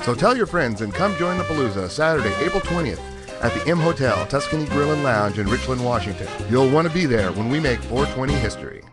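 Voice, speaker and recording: A man's voice: medium pitch, expressive, fast. A man reading a scripted promotional radio ad as an announcer. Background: music.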